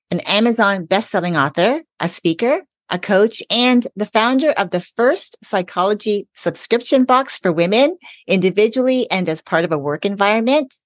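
A woman's voice: medium pitch, no room sound. A woman hosting a podcast interview, speaking in an upbeat, welcoming way as a self-care coach.

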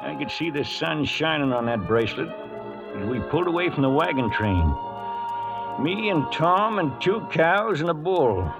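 Folksy old-West cowhand, lively swooping voice. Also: male voice, on the high side, normal speed, low-quality recording. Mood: reminiscing. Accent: American. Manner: rustic, drawling cowboy grammar. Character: folksy loyal trail cowhand, narrating his old tale. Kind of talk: 1940s-1950s radio western acting. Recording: old radio recording with music behind.

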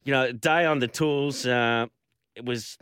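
A middle-aged man hosts a casual chat, spinning stories with many fillers and restarts. His voice is at a medium pitch. The sound is dry, with little room. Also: unhurried, a bit bright, clear, resonant tone, dry recording. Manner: rambling storyteller, lots of fillers. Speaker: host.

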